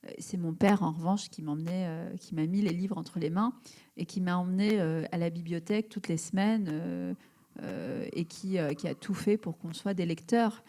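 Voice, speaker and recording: An Algerian writer in her thirties answers questions in a live public interview held in an event hall before an audience. She searches for words, with many fillers and restarts. Her voice is lowish and mellow, at a moderate pace.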